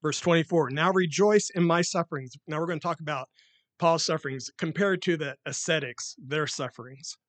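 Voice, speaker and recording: A man preaching on a microphone, with a loud voice that carries and a slightly high pitch. He gets more and more excited as he reads scripture aloud. The sound is dry and close, with little room echo. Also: moderate pace. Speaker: lay preacher. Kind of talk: sermon with scripture reading. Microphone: handheld or stand mic.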